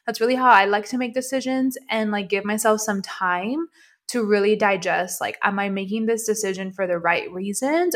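A woman's voice: medium pitch, fairly bright tone. Reflective young woman co-hosting a podcast. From Venezuela. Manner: reflective, thinking aloud. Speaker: podcast co-host. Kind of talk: casual chat.

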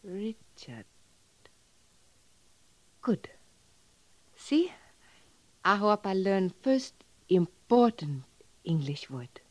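An actress playing a young Native American woman in a radio drama, earnest and softly curious, speaking halting, simple, solemn broken English. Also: medium pitch, sing-song. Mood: eager, curious. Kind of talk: 1950s radio drama acting. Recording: muffled vintage radio recording.

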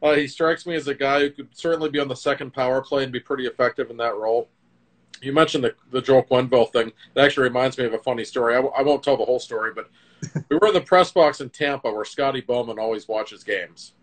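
A middle-aged man in a casual hockey talk show, telling stories with lively, emphatic swings in his voice. His delivery is loose and conversational, punctuated by quick bursts of emphasis. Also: mid-range voice.

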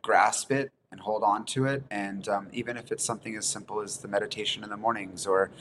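A man in his thirties talks in a calm, reflective, earnest way as a podcast guest. His voice sits fairly low, with a faint hiss and room ambience behind it. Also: brisk. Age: 30s. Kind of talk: casual podcast chat.

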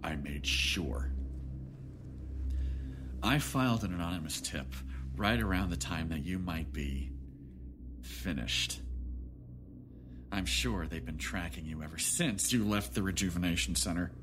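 A man's voice: sits low, a little slow, pauses often. A man acting in an audio drama as a vindictive, bitter man gloating over his victim in a theatrical, menacing way. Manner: theatrical, menacing, swinging between hiss and outburst.

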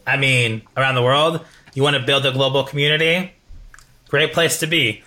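A man's voice: medium pitch, moderate pace. A man hosting an interview podcast, talking with energy, often restarting and adding "right?". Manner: energetic, repeats words, tag questions. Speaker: podcast host. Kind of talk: casual interview chat.

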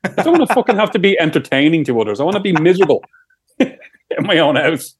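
A young Irish man co-hosting a podcast, telling stories in a sweary, animated way. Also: a little high, fast, husky. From Ireland. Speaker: podcast co-host. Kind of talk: casual chat.

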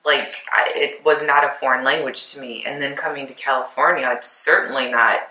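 A woman from Arizona in casual chat, teasing with quick questions and asides. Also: extremely low pitch, steady tone, sharp tone. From Arizona, USA. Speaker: vlogger, expat in Mexico. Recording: roomy echo.

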